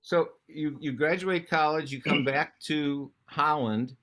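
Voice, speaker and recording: A man's voice: on the high side, slow, a loud crowd. A man hosting a casual interview, rambling before asking his guest questions. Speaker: host.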